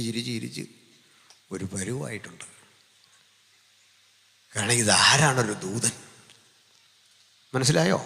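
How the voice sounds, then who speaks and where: A male pastor preaching a live sermon to a seated congregation through a microphone, jumping from loud proclamations to quiet, joking asides. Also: medium pitch, vocal fry. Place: large hall with a seated audience. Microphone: amplified stage microphone. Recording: long hall reverb from a live PA.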